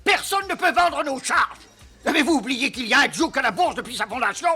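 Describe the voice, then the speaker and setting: A man dubbing an outraged, bossy rich old man who rants and shouts. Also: very high-pitched, lively intonation, a little fast, slightly rough, soft background music, exaggerated voice. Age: older. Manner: ranting, shouting. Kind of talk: dubbed film dialogue.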